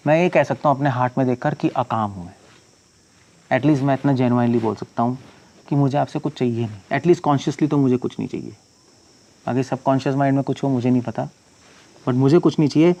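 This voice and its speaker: Reciting verses slowly before explaining them in everyday speech laced with English phrases, a monk delivers a scripture discourse in a slightly high male voice.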